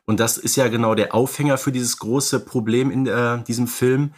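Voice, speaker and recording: A man's voice: mid-range voice, fairly even intonation, moderate pace. A young adult man co-hosting a podcast, casually explaining films and often checking for agreement with little tag questions. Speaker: podcast co-host. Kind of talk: casual film discussion.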